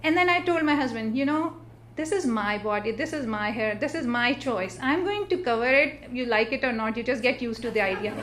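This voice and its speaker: A middle-aged woman with a Pakistani accent, Urdu her first language, speaks at a symposium in a church hall. Her voice sits a little high, and she talks earnestly, stopping often to restart and fill pauses. A faint noise runs underneath. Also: expressive, fairly bright tone. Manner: earnest, halting, many fillers and restarts. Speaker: panelist. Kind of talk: panel talk at an interfaith symposium.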